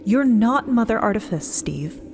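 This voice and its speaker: A woman playing an anxious, conscientious young woman in an audio drama, speaking in halting, emphatic, pleading bursts. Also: fairly high pitch, animated, over loud music. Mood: firm challenge. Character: anxious, conscientious young woman, a people-pleaser finding nerve.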